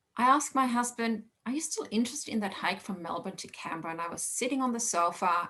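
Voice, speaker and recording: A woman speaks with a slight German accent. Her pace is very fast and her intonation lively. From Germany. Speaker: long distance hiker. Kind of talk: presentation.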